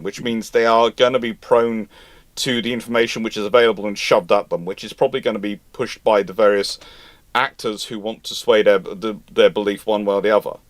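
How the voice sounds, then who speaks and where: Animated man hosting a live Q&A. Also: medium pitch, no echo. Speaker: host of a live history Q&A. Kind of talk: casual live-stream chat.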